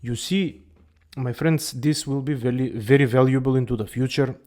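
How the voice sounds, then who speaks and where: A man's voice: mid-range voice, steady tone, normal speed, darkish tone. A man hosting a comedic finance show, playful and exaggerated, repeating "my friends" again and again. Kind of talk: comedic character monologue.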